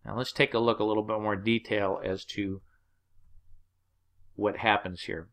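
An HVAC instructor teaches a course over slides, walking through the numbers one step at a time in a plain, explanatory way. His voice is lowish and fairly bright, with little pitch movement and a moderate pace.

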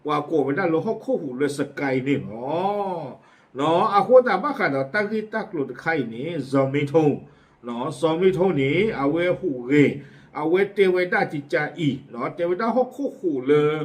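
Male news presenter, casual and chatty, slightly higher voice, lots of fillers. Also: expressive, moderate pace. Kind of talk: casual spoken news commentary.

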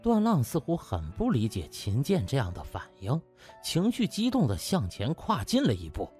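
A man's voice: medium pitch, huge pitch swings, moderate pace, a little mellow, soft background music. A man narrating a novel as an audiobook in a dramatic storytelling style.

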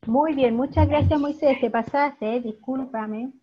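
A woman teacher with a Chilean accent giving an online class, praising her students warmly and explaining patiently. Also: high-pitched, measured pace, a little hiss or hum. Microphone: video call. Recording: dull lo-fi video call audio.

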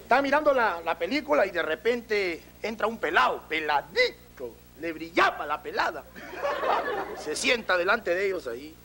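High animated guy cracking jokes, crowd noise behind. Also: moderate pace. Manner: lively, shouts when acting out characters. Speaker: comedian. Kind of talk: stand-up joke telling.

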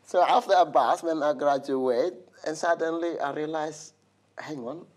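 Lively man telling stories in an interview. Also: a little high, a little slow. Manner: animated storyteller who acts out quoted voices, laughs often. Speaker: guest, musician. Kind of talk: casual interview storytelling. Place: TV studio, indoors. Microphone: studio mic, seated interview.

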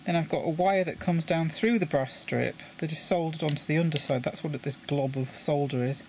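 British man giving a halting hobby tutorial. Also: fairly high pitch, a little hiss or hum. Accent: British English. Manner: halting, repeats words while handling parts. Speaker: model railway hobbyist. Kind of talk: casual hands-on tutorial. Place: indoors at a table with a model railway.

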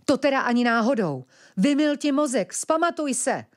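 Woman voicing a young boy ferret, high excited voice, pleading, lively pitch, storybook. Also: natural voice. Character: young eager male ferret, anxious.

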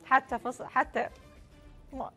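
Presenting a lively call-in game show in a TV studio over music, a young woman speaks with an Iraqi Arabic accent, playful and effusive and often repeating phrases. Her high voice holds a level, sharp tone at a measured pace.

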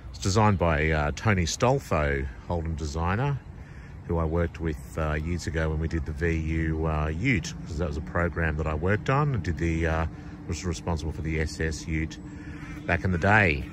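A man's voice: rumbling low, normal speed, noisy background. A man, hosting a casual car vlog and rambling with plenty of fillers, recorded on a phone in a car. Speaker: vlog host. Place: inside a parked car.

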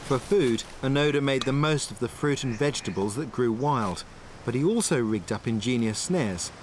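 A man narrates a survival documentary in an even, mid-pitched voice. He works outdoors on a tropical island and explains traps and wild food one step at a time. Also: moderate pace, slight background noise. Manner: calm, explanatory, tells and shows step by step. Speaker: survival expert and presenter. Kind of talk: documentary narration and on-location demonstration.

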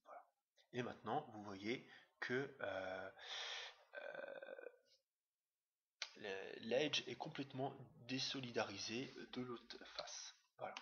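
A man teaching a screen-recorded software tutorial, talking fast and hesitantly with many fillers. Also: mid-range voice. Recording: dull lo-fi mic with faint hiss.

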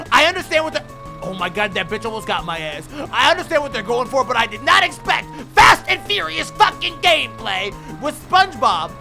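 Guy doing let's play commentary, sweary and slangy, really high creaky voice, game music behind. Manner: foul-mouthed, exclamatory, slangy. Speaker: gaming streamer.

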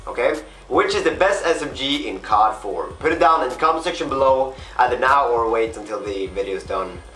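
A young man from Sweden vlogs from his desk, rambling along with plenty of "uh" and "yeah". His voice has dropped rough and deep after a night out. The small room rings back a little, and faint music plays underneath. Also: expressive, brisk, bright, forceful tone, echoey room. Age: young adult. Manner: rambling, chatty, many fillers. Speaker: gaming vlogger. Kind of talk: casual vlog to camera. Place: small bedroom desk setup, indoors.

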